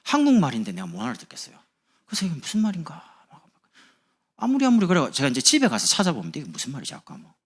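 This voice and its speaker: A man's voice: a little high, wildly swooping pitch, quick pace, slightly rough. A man preaching as a pastor, speaking in a chatty, humorous sermon to his congregation in a church. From Busan, South Korea. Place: church sanctuary.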